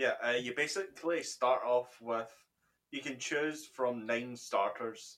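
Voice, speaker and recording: This man has a normal speaking voice at medium pitch. He keeps a moderate pace with ordinary pitch variation. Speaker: podcast host.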